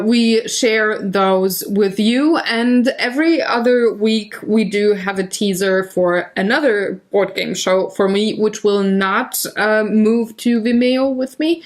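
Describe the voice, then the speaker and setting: A woman with a German accent hosting a board game podcast in a playful, self-mocking way, fighting a cough. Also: mid-range voice. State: coughing, using cough drops. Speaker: podcast host. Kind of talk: casual chat.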